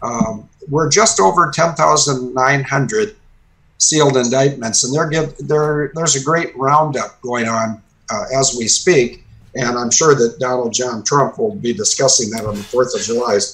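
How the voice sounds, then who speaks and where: This man has an ordinary speaking voice of medium pitch. He talks at a moderate pace with lively intonation. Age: 60s. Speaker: political commentator. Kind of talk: radio talk show interview.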